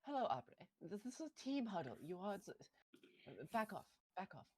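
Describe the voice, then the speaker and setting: An excitable male tabletop player with a fairly high, very animated voice. It is forceful and husky, recorded dry and close, with halting casual banter. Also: no room sound. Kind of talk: casual game banter, partly in character.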